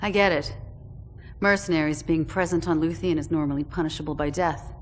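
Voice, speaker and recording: Low woman as a briefing officer, reverberant hall. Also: steady tone, fairly quick, soft background music, natural voice. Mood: composed. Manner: composed, matter-of-fact. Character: composed female military officer giving a briefing. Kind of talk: dramatic game cutscene acting.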